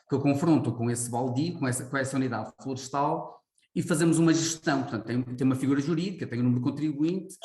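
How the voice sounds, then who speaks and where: A man's voice: mid-range voice, a little mellow, roomy sound. A man with a European Portuguese accent, presenting on a video call and explaining things with frequent restarts. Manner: explanatory, restarts phrases often. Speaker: representative of a community forest association.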